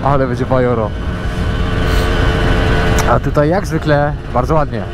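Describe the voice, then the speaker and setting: A man's voice: mid-range voice, unhurried. Chatty man riding over roaring engine noise. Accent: Polish. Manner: chatty, addresses viewers directly. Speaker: motovlogger. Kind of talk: casual riding commentary. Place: outdoors on a moving motorcycle. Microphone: helmet or chest camera mic. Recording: loud engine and wind noise. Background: loud engine and road noise.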